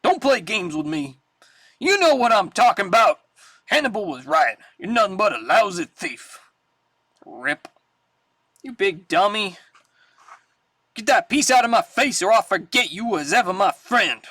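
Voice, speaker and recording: A man's voice: sits high, sing-song, a little slow, long pauses, sharp tone, no echo, exaggerated voice. A man voicing a blunt, tough male mercenary in a read-aloud comic, speaking with street-tough bluntness. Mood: angry.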